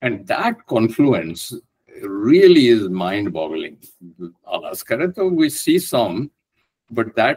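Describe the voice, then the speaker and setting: A man talks at a very slow pace with vocal fry, very wide pitch swings, and long, frequent pauses. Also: quiet background. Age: 80s+. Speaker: conference panelist. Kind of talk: panel discussion.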